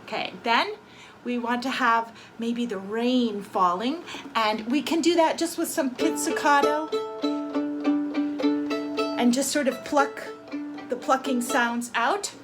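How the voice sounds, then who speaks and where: A woman violin teacher explaining techniques gently and clearly, and telling a short spooky story with growing emphasis, with violin playing between her phrases. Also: fairly high pitch, takes it slowly, long pauses, music in the background, poor audio. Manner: storytelling with rising dramatic emphasis. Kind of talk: violin lesson with a told story. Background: violin sound effects between phrases.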